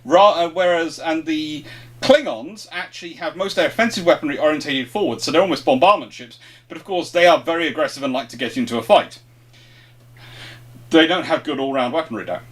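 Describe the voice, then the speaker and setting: Higher-pitched man explaining informally. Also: brisk. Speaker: host of a history question-and-answer show. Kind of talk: informal unscripted explanation, question-and-answer chat.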